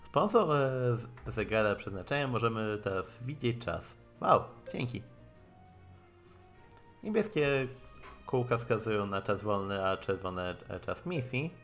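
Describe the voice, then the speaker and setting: A man with a fairly low voice streams a game over faint background music. He reads the dialogue out in a halting way and drops in wry asides as he goes. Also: a bit bright. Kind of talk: live game stream, reading dialogue aloud and commenting.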